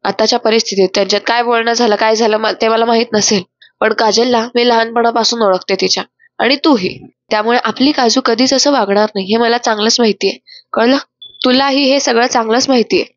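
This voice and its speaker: A woman's voice: fairly high pitch, steady tone, fairly quick, no echo, close to an everyday voice. A woman voicing a blunt younger sister who firmly defends a relative, read plainly in a narrated serial recap. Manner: firm, defending. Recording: dry, slightly dull voice-over.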